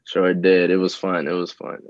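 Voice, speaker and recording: Very deep-voiced young man, relaxed. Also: normal speed, no echo. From Dominican Republic. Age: 20s. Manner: relaxed, hesitant, many fillers and restarts. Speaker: rapper, interview guest. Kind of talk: casual interview answers. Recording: dull, lo-fi, dry sound.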